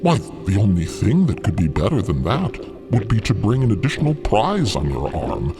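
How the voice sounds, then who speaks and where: Smug male schemer, deep-leaning voice, highly animated phrasing, needling, condescending, audio fiction, music underneath. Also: normal speed. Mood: taunting, grand. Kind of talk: dramatic audio fiction acting.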